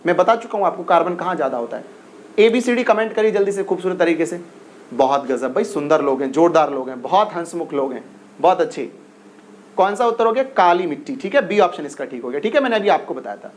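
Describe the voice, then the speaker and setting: High-voiced coaxing male teacher. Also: lively intonation. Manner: repetitive, coaxing, drills questions and urges quick answers. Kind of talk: exam-prep classroom lesson.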